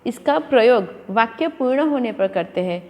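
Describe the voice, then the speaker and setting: A woman's voice: fairly high pitch, animated, moderate pace, a little mellow. A woman teaching a school lesson to children, explaining patiently and mixing Hindi with English words. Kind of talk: classroom lesson. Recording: long echoing reverb.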